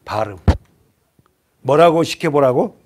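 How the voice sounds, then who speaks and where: Lively male pastor quizzing his congregation. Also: unhurried. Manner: drops to a hushed low voice for grim points. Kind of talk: expository sermon. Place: church sanctuary.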